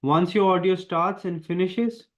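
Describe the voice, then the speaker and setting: A man with an Indian accent teaches an online exam lesson, his voice sitting a little high for a man. He explains each step emphatically and keeps repeating the main points. The recording sounds somewhat dull and lo-fi. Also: measured pace.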